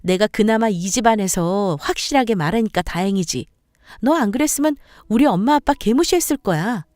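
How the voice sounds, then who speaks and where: A woman voicing a sharp-tongued, sarcastic sister-in-law who bosses and belittles her brother's wife. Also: medium pitch, lively intonation, normal speed, no echo, clean studio sound, close to an everyday voice. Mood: scornful. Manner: sarcastic, bossy, needling.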